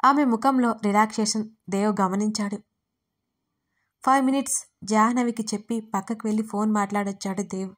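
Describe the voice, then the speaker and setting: A woman who writes and narrates her own audio stories, in a steady, expressive storytelling style. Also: medium pitch, moderate pace.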